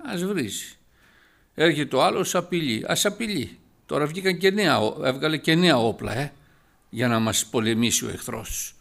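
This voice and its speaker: A man preaching a sermon, lively and rising to loud emphatic passages. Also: fairly high pitch, creaky.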